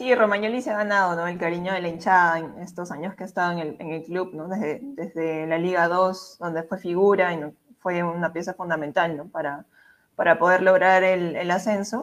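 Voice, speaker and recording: A woman talks in a normal speaking voice at a fairly quick pace, with a fairly low pitch. Her intonation is fairly even, while her loudness swings widely. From Lima, Peru. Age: 20s. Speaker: medical student and football panelist. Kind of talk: casual chat.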